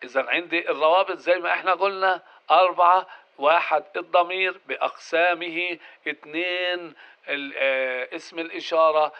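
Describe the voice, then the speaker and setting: A male grammar teacher who explains step by step, putting questions to the class and answering them himself. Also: on the high side. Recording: dull lo-fi recording.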